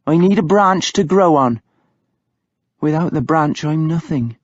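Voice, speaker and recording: A man voicing a calm, devout young noblewoman who was once a nun. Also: on the high side, a little slow, no echo, muffled recording, voice pushed up. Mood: calm wistful. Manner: calm and wistful.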